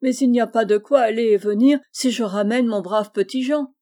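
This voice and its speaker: A hearty, generous older farmer, read by a woman in a storybook, jovial and quick to exclaim. The voice sits fairly high and sounds mellow. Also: close to an everyday voice.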